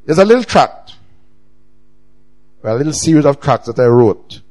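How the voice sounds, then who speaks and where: A middle-aged man with a Jamaican accent, preaching a sermon with emphatic swings in pitch and loudness. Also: big pitch swings, moderate pace. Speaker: pastor.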